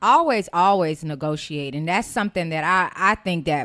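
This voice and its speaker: Her pitch varies in an ordinary way. This woman's voice is fairly low. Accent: Southern US. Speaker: podcast co-host. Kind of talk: casual chat.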